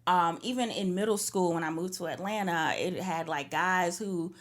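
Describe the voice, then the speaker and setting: A woman from Trinidad, co-hosting a casual chat podcast, expressive and quick to laugh. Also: lowish voice. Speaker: podcast co-host.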